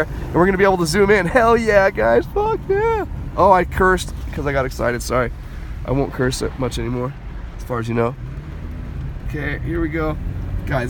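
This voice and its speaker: A man filming a casual vlog from a car and outdoors, talking excitedly with lots of "dude" and "like". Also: sits high, slight background noise. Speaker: vlogger. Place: in a car and outdoors at a ski resort.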